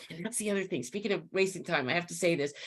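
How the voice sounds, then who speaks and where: A woman's fairly low voice with a bright, sharp tone and ordinary pitch variation, on a very clean recording with a silent background. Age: 60s. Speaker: dating coaching client. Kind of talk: interview testimony. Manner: halting, many fillers and repetitions.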